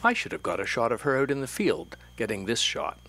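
Lively-pitched male documentary narrator. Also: fairly quick, slight background noise. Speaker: host and narrator of a sailing series.

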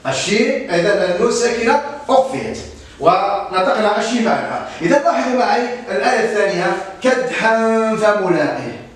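Male teacher, high-pitched, patient and repetitive, distant mic in a booming room. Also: animated. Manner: patient, repeats words slowly for pupils. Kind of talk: Quran recitation lesson. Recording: echoey room, distant mic, faint hiss.

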